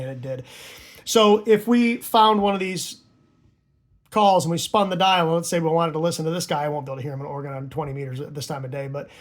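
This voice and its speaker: Man, high-pitched voice, informal instructor, conversational, checks in with short tag questions. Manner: conversational, checks understanding with tags like "right?" and "okay?". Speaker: amateur radio hobbyist teaching Morse code. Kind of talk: informal tutorial.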